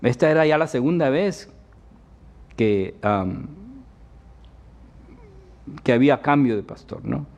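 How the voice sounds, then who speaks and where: A man's voice: medium pitch, lively intonation, slow pace, gravelly, pauses often, a little mellow. A man giving a conversational sermon as pastor, often checking in with his listeners. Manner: conversational preaching with frequent tag questions.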